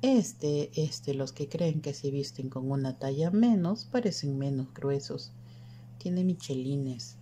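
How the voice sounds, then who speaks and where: A woman's voice: low voice, slow pace, warm tone, slight background noise. A woman voicing an impatient, restless older woman in an audiobook, speaking with a raised, urgent delivery. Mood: wry.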